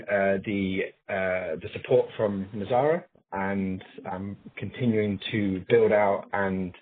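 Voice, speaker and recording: A man speaking as a studio chief executive, giving a careful, unscripted business update on a conference call. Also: fairly low pitch. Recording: narrowband conference call audio.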